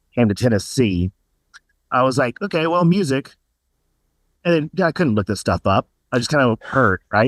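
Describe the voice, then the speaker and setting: An animated man with an American accent talks with very wide pitch swings, very even loudness and long, frequent pauses, in a dry, close sound with no echo. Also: medium pitch for a man. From Texas. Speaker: music producer and guitarist. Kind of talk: casual interview chat.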